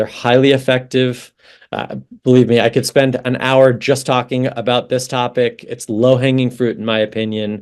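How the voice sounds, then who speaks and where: Speaking at a moderate pace, a man with a medium pitch has an unremarkable speaking voice. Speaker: marketing agency owner. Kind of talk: webinar presentation.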